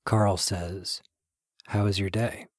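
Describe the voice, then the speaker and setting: A man reading scripted podcast narration in a reflective, wry, measured way, like a storyteller. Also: deep voice, fairly even intonation, no echo, clean studio sound. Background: music.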